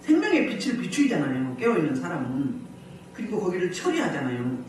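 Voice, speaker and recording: A woman pastor preaching a healing service sermon, animated, often putting questions to the congregation and laughing as she goes. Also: fairly low pitch, a little fast, slight background noise. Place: church hall. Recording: very echoey hall, mic at a distance.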